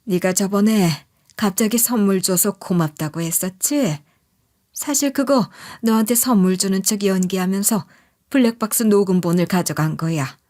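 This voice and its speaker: Audio story role: hard-edged older mother-in-law, played by a woman, mid pitch, issuing scornful orders. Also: normal speed, warm tone, natural voice. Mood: mocking. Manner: firm, commanding, scornful.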